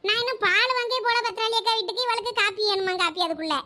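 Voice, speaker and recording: A woman's voice: very high-pitched, level tone, fast, pushed and bright. A woman voicing a bossy village mother in a cartoon who grumbles and scolds in a Thoothukudi Tamil accent. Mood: scolding.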